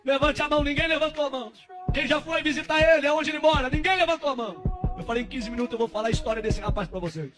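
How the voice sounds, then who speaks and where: A male pastor, preaching a testimony sermon with fervor that rises to shouts. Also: very high voice, fast. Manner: fervent preaching, rising to shouts. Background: music.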